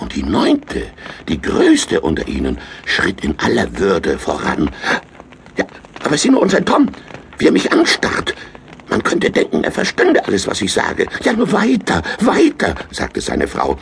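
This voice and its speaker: Against noticeable background noise, a man speaks in an animated tone with long, frequent pauses. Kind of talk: audiobook reading of a ghost story. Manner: slow, hushed, spooky storytelling; animated, voicing different characters.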